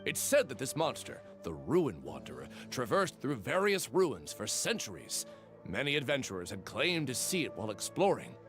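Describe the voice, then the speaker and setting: A man's voice: mid-range voice, wildly swooping pitch, moderate pace, a bit bright, soft background music. A man voicing a gossipy older villager in a video game, telling things with dramatic flair. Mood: storytelling. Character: gossipy older villager spinning an old legend. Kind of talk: English video game voice acting.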